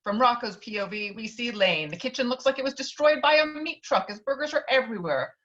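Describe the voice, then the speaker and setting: A woman's voice: a little high, expressive, fairly quick, a bit bright. A woman reading out screenplay stage directions at an informal table read, now and then stumbling and correcting herself. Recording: dull lo-fi online call audio.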